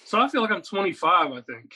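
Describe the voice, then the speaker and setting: Guest, male, 30s, from Virginia, slightly higher voice, energetic and rambling. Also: fast, husky. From Virginia, USA. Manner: energetic, rambling, lots of "like" and "right?". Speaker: guest, metal guitarist. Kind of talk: casual interview chat.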